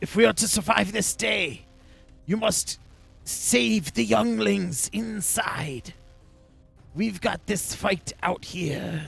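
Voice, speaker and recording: A man does a put-on character voice at a high pitch with very wide pitch swings, speaking very slowly with long, frequent pauses, over hissing and faint background music. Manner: hissing, urgent.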